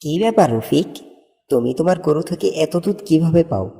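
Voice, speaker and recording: A man's voice: a little high, animated, a little fast, vocal fry, dark tone. A man voicing a jealous, scheming village milk seller in a cartoon, nosy and insinuating, with long reverb. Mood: nosy, envious. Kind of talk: cartoon story dialogue.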